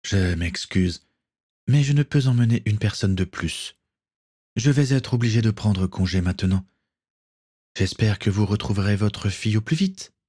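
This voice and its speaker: A male narrator voicing a haughty ship captain with a smooth, formal and cold manner. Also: fairly low pitch, moderate pace, dark tone, no echo, clean studio sound.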